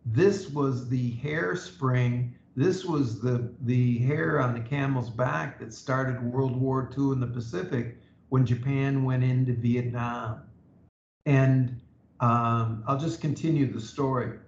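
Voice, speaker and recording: A man with a gravelly, creaky voice tells history as an emphatic storyteller on a podcast. His voice comes through dull, lo-fi audio in an echoey room. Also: medium pitch, slow pace. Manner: emphatic storyteller, quotes historical figures in lively asides. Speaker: podcast co-host and author. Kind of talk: conversational history discussion.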